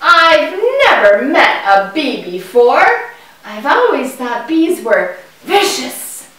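A woman voicing a naive, curious puppet boy in a children's educational show, with exaggerated wonder and drawn-out questions. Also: sits high, sing-song, a bit bright, exaggerated voice. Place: indoor puppet stage in a room. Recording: echoey room, distant microphone.

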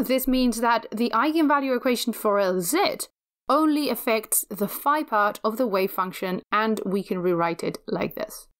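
A woman with a fairly high voice narrates a physics lecture. She explains each step in a measured, methodical way.

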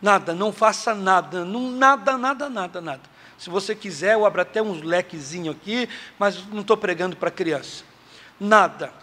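Speaking forcefully at a normal speed, a Brazilian pastor delivers an emphatic, repetitive sermon, playing out short dialogues. His voice is high and bright, and the large church hall gives the recording a long reverb.

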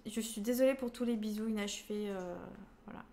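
A woman's voice: mid-range voice, fairly quick, mellow, slight background noise. A woman in her twenties from France, streaming a casual chat with viewers in a slangy, teasing way. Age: 20s. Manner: slangy, teasing, laughs often. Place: small room indoors.

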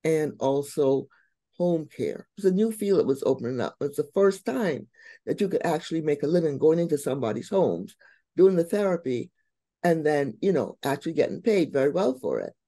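A middle-aged woman from Barbados, a guest on a video call who tells her life story with warm, expressive emphasis. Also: low voice, moderate pace, dry recording. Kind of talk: interview storytelling.

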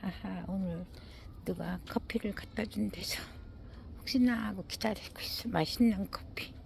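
Woman showing off her indoor plants, low mellow gravelly voice, talks to them as she goes, faint hiss behind. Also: measured pace. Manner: talks to plants and scolds her dog, frequent sighing exclamations. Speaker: gardening vlogger. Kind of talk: casual commentary touring her plants. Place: indoor winter garden.

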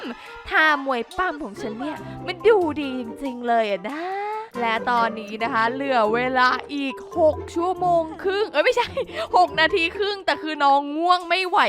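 High-voiced, theatrical woman gamer. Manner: theatrical, mock-scolding, talks to viewers. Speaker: gaming YouTuber. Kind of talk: playful game commentary. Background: background music.

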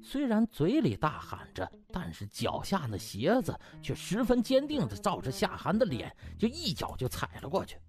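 A man's voice: high voice, huge pitch swings, normal speed, hardly any pauses. A man narrating a comic audiobook in a colloquial, theatrical way. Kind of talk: animated comic storytelling. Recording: music under the voice.

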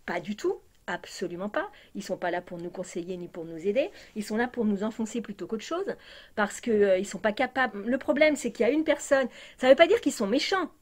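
A woman's voice: medium pitch, brisk, slight background noise. A woman vlogger ranting in a casual monologue, indignant and exasperated, with many fillers and restarts.

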